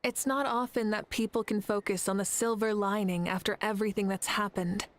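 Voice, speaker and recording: A woman's voice: mid-range voice, brisk, a little hiss or hum, natural voice. A woman voicing a gracious, easygoing leader. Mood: easy. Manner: relaxed, gracious. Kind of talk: game voice acting.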